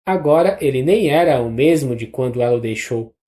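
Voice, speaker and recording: Mellow Brazilian audiobook narrator. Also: medium pitch. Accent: Brazilian Portuguese. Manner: measured, even reading with small restarts. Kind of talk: scripted literary narration.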